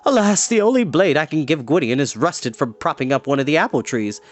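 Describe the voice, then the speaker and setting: A man's voice: fairly high pitch, lively intonation, brisk, close to an everyday voice. A man voicing a stout old warrior in a storybook, cheerful, hearty and wry with a folksy humor. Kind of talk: storybook character voice.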